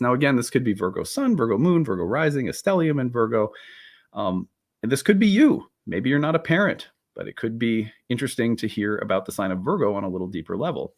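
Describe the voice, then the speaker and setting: A man in his thirties, a little hoarse from a cold, hosting a relaxed, rambling talk about astrology. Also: mid-range voice. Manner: relaxed, rambling, with many fillers and restarts. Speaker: astrology teacher and channel host. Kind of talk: casual solo talk to camera.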